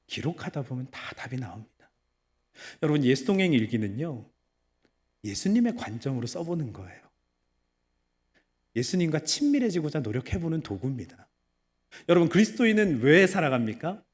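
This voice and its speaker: A man's voice: a little high, sing-song, normal speed, long pauses. Earnest male pastor preaching in a reverberant hall. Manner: earnest, preaching with rhetorical questions to the congregation. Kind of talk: sermon. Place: church sanctuary.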